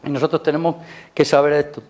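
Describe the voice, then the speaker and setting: A man with a Spanish accent preaching a Sunday sermon in church, chatting with the congregation through rhetorical questions, his voice climbing loud on key points and dropping soft. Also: flat delivery, quick pace. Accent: Spanish from Spain. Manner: rises loud and high on emphasis, drops soft. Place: church service.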